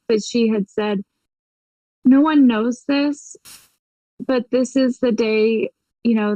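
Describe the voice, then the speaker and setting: A woman with a slightly high voice tells a personal story as an interview guest, acting out each exchange vividly. She speaks as a medium recounting her experiences. The sound is dry and somewhat dull. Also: darkish tone, no room sound. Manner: vivid storyteller, acts out quoted dialogue, laughs often.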